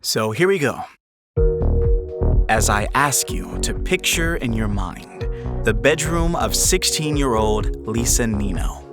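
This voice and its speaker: A man delivers scripted narration for a fiction podcast. His voice sits at an average pitch for a man, and music plays clearly behind him. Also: animated, slow pace. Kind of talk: scripted audio drama narration.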